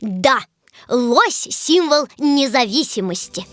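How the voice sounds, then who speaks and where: A woman's voice: sits high, animated, slow, no room sound, clean studio sound, faint music behind. A woman playing a knowledgeable, patient guide who explains things instructively in an educational cartoon. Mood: explaining. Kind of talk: scripted educational cartoon dialogue.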